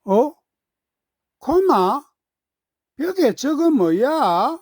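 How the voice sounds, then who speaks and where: Woman voicing a playful, high-pitched young girl. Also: sing-song, extremely slow, darkish tone, no echo, studio quality, exaggerated voice. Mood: surprised, teasing. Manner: playful, eager, exclaiming. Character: bright, curious young girl teasing and cheering on her mom.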